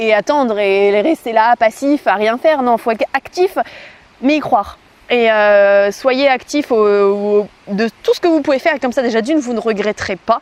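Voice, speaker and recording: Recorded dry and close with no echo but with noticeable background noise, a woman speaks in a high voice. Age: 20s. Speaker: YouTuber and singer. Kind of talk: vlog monologue. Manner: fast; hesitant, many fillers.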